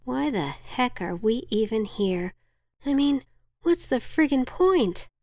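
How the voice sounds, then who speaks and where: A woman's voice: on the high side, big pitch swings, slow, dark tone, dry recording, studio quality, voice pushed up, exaggerated voice. A woman doing an exasperated villager guy. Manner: casual, exasperated.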